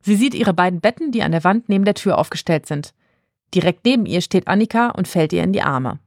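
Brief: female podcast narrator, clear and even storytelling, dry studio recording. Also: on the low side, fairly quick, no room sound.

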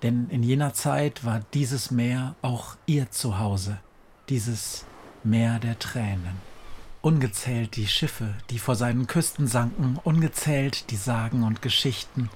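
A man reading a fairy tale aloud in a measured, solemn way that slows down for dramatic moments. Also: mid-range voice, a little mellow, a little hiss or hum. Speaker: narrator. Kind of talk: scripted storybook narration.

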